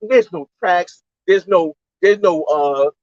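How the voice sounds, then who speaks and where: High-voiced man rambling through a story. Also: wildly swooping pitch, slow pace, darkish tone, dry recording, highs cut off. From United States. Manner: rambling, slangy, repeats phrases. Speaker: travel vlogger. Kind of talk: casual storytelling on a livestream.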